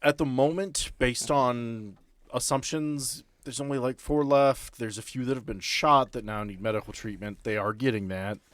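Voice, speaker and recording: A man running a tabletop game as game master, narrating scenes in a halting, improvised way. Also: medium pitch, fairly bright tone, no room sound.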